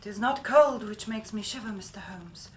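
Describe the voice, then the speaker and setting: An actress playing a frightened young woman who comes to a detective for help, speaking in an urgent, often hushed voice. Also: mid-range voice, normal speed, a little hiss or hum, lightly acted. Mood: fearful. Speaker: actress in radio drama. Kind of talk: radio drama acting.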